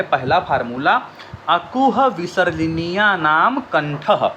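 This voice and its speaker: Guy teacher with a high voice drilling exam prep, asks then answers himself, bit of hiss behind. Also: fairly bright tone. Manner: repeats questions and answers to drill students; chants formulas slowly.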